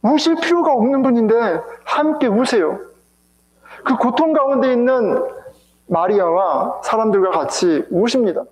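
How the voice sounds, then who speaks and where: A man's voice: very high-pitched, lively intonation, unhurried, reverberant, low-quality recording. A male pastor preaching an emotional sermon with rhetorical questions to his congregation, in a church sanctuary.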